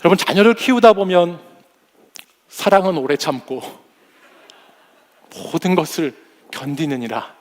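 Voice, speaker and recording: High-voiced man preaching with anecdotes. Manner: warm storytelling with humorous anecdotes; acts out family members' voices. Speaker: pastor. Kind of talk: sermon.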